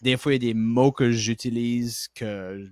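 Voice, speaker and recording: A man's voice: medium pitch, fairly even intonation, unhurried, no room sound, clean studio sound. A man from Baie Sainte-Marie with an Acadian French accent, chatting loosely as a guest and dropping English words into his French. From Baie Sainte-Marie, Nova Scotia. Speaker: guest actor. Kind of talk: casual live interview chat.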